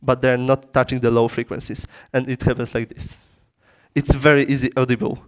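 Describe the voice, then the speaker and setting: A man with a Polish accent giving a technical lecture in a conference room through a PA system, in halting English with frequent restarts. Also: medium pitch, little pitch movement. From Poland. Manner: halting non-native phrasing with frequent restarts.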